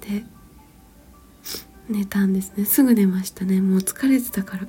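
A woman in her thirties, a mother, whispers a long and rambling story in a gentle way, sprinkling in small fillers and soft laughs. Her voice sits in the mid range and moves at a normal speed, with soft music playing in the background.

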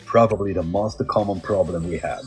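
A man's voice: sits low, a little slow, soft background music. A man, an English teacher, talks casually on a live stream and gives test-study tips, switching between Japanese and English.

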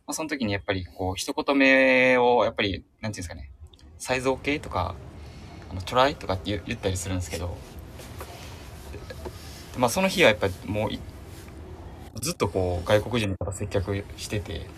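Male guest, fairly low pitch, self-conscious rambling storyteller. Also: expressive, brisk, long pauses, a bit bright, a little hiss or hum. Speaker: radio show guest, shop staff member. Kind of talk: casual chat and anecdote telling. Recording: remote connection audio.

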